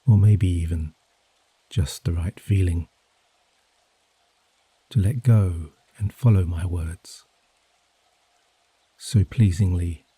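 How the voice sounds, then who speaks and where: A soft-spoken man guiding a sleep hypnosis session in a hushed, soothing, measured way with gently drawn-out phrases. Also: low-pitched, breathy edge, no echo. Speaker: hypnosis and meditation guide. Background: gentle rain sounds.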